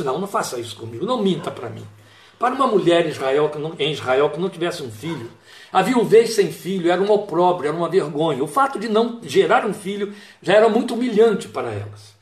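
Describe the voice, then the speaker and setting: A man with a high voice retells a Bible story as a sermon, voicing its people in quoted lines and stopping to reflect on them. The room is echoey and reverberant. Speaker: preacher.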